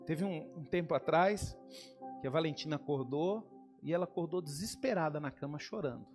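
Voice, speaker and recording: A man preaching a sermon as pastor, fervent and swelling up to shouting, warmly calling his listeners "dear ones". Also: on the high side, normal speed, faint music behind.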